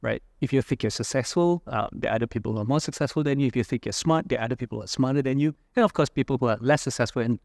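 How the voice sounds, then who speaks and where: A man from Indonesia talks through his views as a guest in a casual interview. His voice has a gravelly edge, and the recording is dry and close. He thinks aloud, with fillers and frequent "right?" checks. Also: mid-range voice, rapid-fire, few pauses, a little mellow, no echo. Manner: reflective, many fillers and "right?" tags. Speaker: entrepreneur guest.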